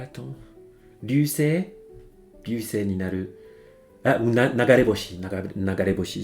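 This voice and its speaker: A man's voice: fairly low pitch, a little mellow. A man teaching Japanese on a live stream, talking an audience through song lyrics, hesitant and full of fillers and restarts. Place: home streaming setup.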